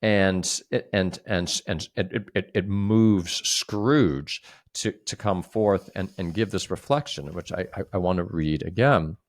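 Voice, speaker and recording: A man co-hosting a literary discussion, speaking emphatically and haltingly, often repeating words as he reflects. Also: low-pitched. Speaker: co-host.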